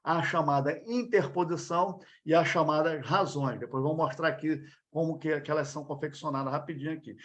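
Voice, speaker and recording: A man's voice: a little high, steady tone, a little fast. A man with a Brazilian accent giving an exam-prep law lecture in a conversational way, often checking in with listeners and restarting his phrases. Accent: Brazilian Portuguese. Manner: conversational, many fillers and checks like "tá ok?"; repeats points and restarts phrases. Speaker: law teacher.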